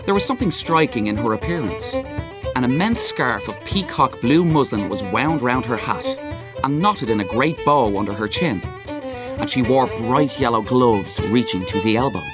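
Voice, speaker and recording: A man narrating literary fiction as an audiobook reader, with dramatic, measured storytelling. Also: mid-range voice, expressive, over music. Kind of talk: expressive scripted literary narration.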